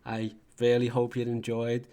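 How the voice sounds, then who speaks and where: Guy doing a solo podcast, dead flat monotone, rambly and casual, swears a bit. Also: mid-range voice, moderate pace. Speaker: podcast host.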